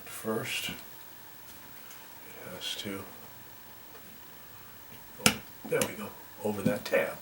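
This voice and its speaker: A man with a lowish voice talks through a repair as he does it. He is careful and halting, thinking aloud in a casual way. The sound is roomy and distant from the mic, with faint noise behind him. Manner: careful, halting, talking while working. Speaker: volunteer repairer demonstrating a fix.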